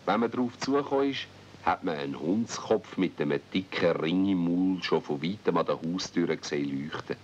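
A man's voice: lively intonation, moderate pace. A man with a Swiss German accent narrating a children's tale in a 1970s dialect radio play. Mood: storytelling. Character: male storyteller of a children's tale. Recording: dull, rumbly, noisy old cassette transfer.

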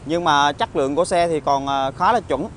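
Higher-voiced southern Vietnamese used car salesman. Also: fairly bright tone. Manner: used car salesman pitch, halting with frequent hesitations and tag words. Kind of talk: informal sales walkaround video. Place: outdoor car lot, partly inside a car. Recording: outdoor phone recording with traffic ambience.

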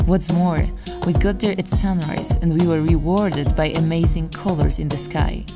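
A woman's voice: sits low, steady tone, moderate pace, over loud music. A young woman with a Polish accent, a native Polish speaker, narrating her travel vlog in a cheerful, chatty way. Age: young adult. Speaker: travel vlogger. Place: outdoors on a rooftop.

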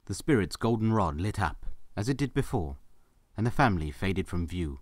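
A man's voice: low voice, animated, moderate pace, no echo, clean studio sound. A man giving scripted narration for a story, as the narrator of an audio drama.

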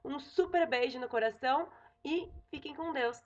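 A woman's voice: high voice, moderate pace, highs cut off. A young Brazilian woman in her home kitchen giving a casual cooking tutorial, chatting along and checking in with her viewers. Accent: Brazilian Portuguese. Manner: chatty, frequent "tá?" check-ins and self-corrections. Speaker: cooking vlogger.

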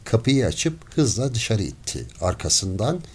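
A man reading a story aloud as an audiobook narrator in measured, expressive storytelling. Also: lowish voice, husky.

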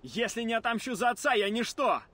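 A man's voice: very high-pitched, very animated, brisk, bright, forceful tone, no room sound, exaggerated voice. An actor playing an earnest young man torn by revenge in a game dub, speaking with emotion. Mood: anguished. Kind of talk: Russian game dub acting.

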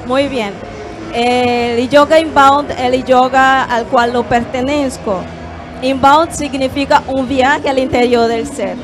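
Brazilian woman, gentle and measured. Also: sits high, steady tone, music in the background. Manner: gentle, measured, with frequent hesitations. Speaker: yoga teacher and holistic therapist. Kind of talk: calm explanatory interview answers. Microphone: handheld microphone.

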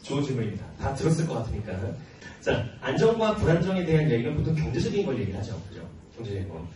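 A medium-pitched man in his early forties, a cram school teacher, answers his students' questions informally at a rapid-fire, very animated clip, playful and jokey but earnest, frequently laughing. The large classroom is full of students; he speaks into a handheld mic, a tripod camera films from the back, and the recording is roomy, distant, and noisy.

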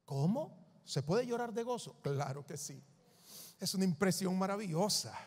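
A man's voice: high voice, expressive, moderate pace, a little mellow, big-room sound. A male preacher delivering an emphatic sermon, repeating his points for the congregation.

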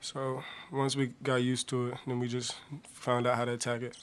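A young man, a college basketball player, answering postgame press questions softly and with many hesitant pauses, at a table mic in a press room. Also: mid-range voice, monotone, slight background noise. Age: young adult. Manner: soft-spoken, many hesitant ums. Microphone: table mic on stand.

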